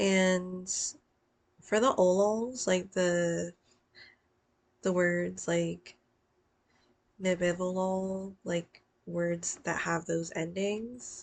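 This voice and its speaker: Speaking with a Northeastern US accent, a woman at medium pitch moves at a very slow pace with long, frequent pauses and fairly even intonation. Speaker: pharmacy student, vlogger. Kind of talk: casual vlog chat. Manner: slurs words, weak L sounds; rambling, many fillers.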